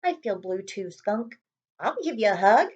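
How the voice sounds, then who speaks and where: A woman's voice: medium pitch, big pitch swings, measured pace, darkish tone, slightly rough, dull audio. A woman voicing a small, sad but hopeful storybook hedgehog who pleads with questions that lift upward. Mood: gentle.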